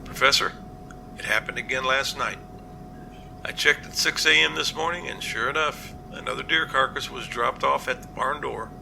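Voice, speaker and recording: A man playing an earnest, cautious captain in an amateur audio drama, reporting in a measured, matter-of-fact way. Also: mid-range voice, creaky, noisy background. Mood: concerned. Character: male captain, earnest, practical, cautious, plain-spoken.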